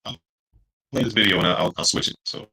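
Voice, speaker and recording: A man chatting on a livestream over a glitchy online connection with static, his voice speeding up and slowing down as he talks in a rambling, reflective way. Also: on the low side, gravelly, pushed and bright. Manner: rambling, reflective, addresses listeners as brothers and friends. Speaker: livestream co-host. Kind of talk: casual chat.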